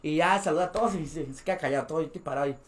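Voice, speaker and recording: Over crowd noise in an echoey room, a young podcast guest with a Mexican accent tells casual stories in rapid-fire fashion, his voice a little high. He laughs often and puts on other people's voices as he goes.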